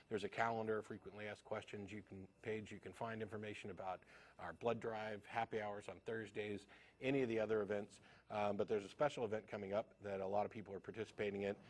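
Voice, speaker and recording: A man co-hosting a live call-in TV show, giving casual announcements before taking calls. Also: on the low side. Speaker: co-host.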